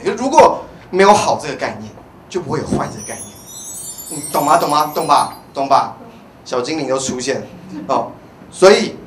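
A young man with a Taiwanese accent doing open-mic stand-up in a rambling, stammering way that repeats phrases. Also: on the high side. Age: young adult. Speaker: stand-up comedian. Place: small indoor comedy club stage. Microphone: handheld microphone. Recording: roomy live venue, background noise.

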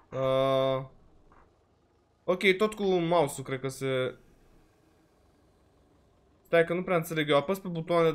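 Romanian man, high-pitched, let's-play host, chatty, quick to exclaim, voice a bit worn. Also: a bit bright. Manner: chatty, exclaims often, peppers talk with "frate" and "bă". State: voice slightly worn, coughing. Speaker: gaming video host. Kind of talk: casual let's-play commentary.

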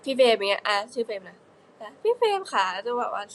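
A woman's voice: mid-range voice, racing, a bit bright, slight background noise, low-quality recording. A young woman hosting a casual livestream, chatting playfully with fans and reading their comments. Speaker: idol livestream host.

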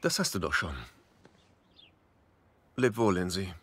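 A man's voice: low-pitched, lively intonation, takes it slowly. An actor in a dubbed sitcom playing a hapless middle-aged man, anxious and stammering as he pleads. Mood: pleading, earnest. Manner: flustered, stammering, repeats himself. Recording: noisy sound with clicks.

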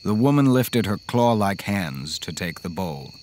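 An actor playing a polite, fussy accountant who tells a horror story in the first person, in a measured way. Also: male voice, low voice, big pitch swings, a little mellow, a little hiss or hum. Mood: reflective.

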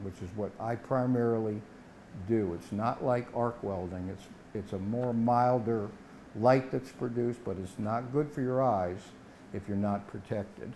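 Mellow-voiced older man, instructional. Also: on the low side, slight background noise. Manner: plain-spoken, explanatory. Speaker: welding instructor. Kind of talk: instructional demonstration to camera. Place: indoor workshop set, standing before a tool board.

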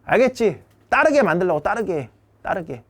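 A man's voice: sits high, very animated, moderate pace, a bit bright. A man lecturing as a dating coach in a blunt, brash way, swearing freely and talking down to his students.

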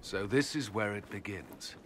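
A forceful, stern military commander. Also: male voice, on the low side, a little slow, slight background noise. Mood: grave, resolute. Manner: forceful, grave. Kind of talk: fantasy game voice acting.

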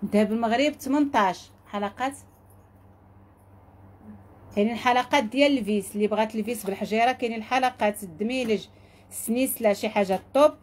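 A woman with a Moroccan accent, pitching jewelry in a repetitive, enthusiastic sales patter. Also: quick pace. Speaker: jewelry seller.

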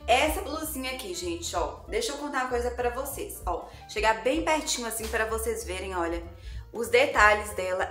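A young woman gushes to her viewers in a casual vlog, her voice sitting a little high. She speaks in a living room, and the sound is roomy, with faint music underneath. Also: a bit bright. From Brazil. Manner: chatty and effusive, constantly addressing viewers. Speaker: vlogger. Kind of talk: casual thrift haul vlog. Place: living room at home, indoors.

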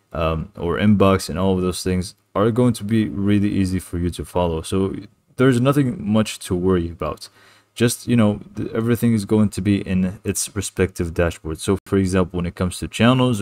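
A man with a low-pitched voice talks through a software tutorial in a casual, unscripted way. His delivery is hesitant and rambling, and the sound is dry, with little room around it. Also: no echo. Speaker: tutorial presenter. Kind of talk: casual, improvised software walkthrough.

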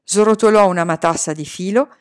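A woman reading a novel aloud in a calm, measured storytelling voice. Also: medium pitch. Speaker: audiobook reader.

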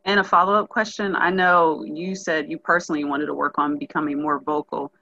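A woman's voice: deep voice, steady tone, fairly quick, bright, forceful tone, no echo. A woman reporter in her thirties asking conversational questions over a video call. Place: living room with sofa. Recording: dull video-call audio.

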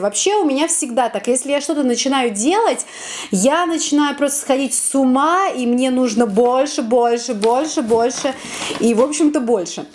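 A young woman chatting in a casual home vlog, lively and self-mocking, talking with her hands in a small bright room. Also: high voice. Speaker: home vlogger.

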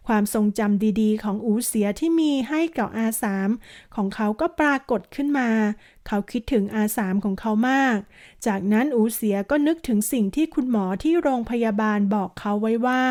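A woman's voice: fairly high pitch, a little mellow. A woman retelling the plot of a TV series episode, narrating politely and slipping into chatty asides. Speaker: drama recap narrator. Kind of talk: storytelling recap of a TV series.

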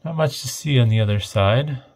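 A man giving casual, off-the-cuff narration of an electronics teardown, thinking aloud in a hesitant, low-key way. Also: moderate pace, a little mellow, slightly rough. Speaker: host of an electronics teardown video.

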